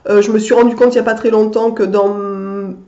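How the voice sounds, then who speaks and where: A woman's voice: medium pitch, little pitch movement, fairly quick, dark tone. Woman vlogger, stuffed-up cold voice, chatty and hesitant, roomy echo. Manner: chatty, many fillers and restarts. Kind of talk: casual chat to camera. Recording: echoey room, dull lo-fi sound.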